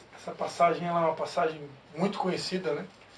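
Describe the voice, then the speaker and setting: A man with a high-pitched voice is heard over noticeable background noise, with audible room echo. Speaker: preacher. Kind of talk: sermon. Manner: loud.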